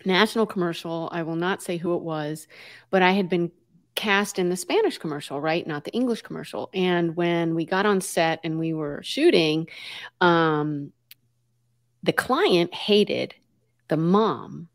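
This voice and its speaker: Her voice is fairly low and unhurried as she spins animated, conversational stories. She's a middle-aged guest with a Puerto Rican family background who was raised in the US, and she acts out what people said while sprinkling in Spanish words.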